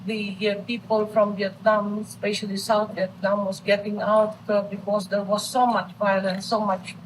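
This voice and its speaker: Flat-voiced hesitant woman, noisy background. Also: medium pitch, moderate pace. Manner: hesitant, many fillers. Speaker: guest recalling events. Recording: clear background noise.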